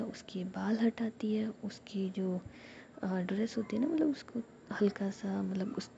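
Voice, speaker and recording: A woman's voice: medium pitch, vocal fry, mellow, dull audio, a little hiss or hum. A woman narrating a love story in a whispered role-play style, rambling with many fillers.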